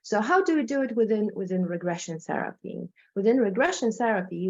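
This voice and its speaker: A warm, mid-range voice belongs to this Polish hypnotherapist, who presents informally in her Polish accent. She stumbles and repeats words, regularly checking in with a "right?", and the audio is dull.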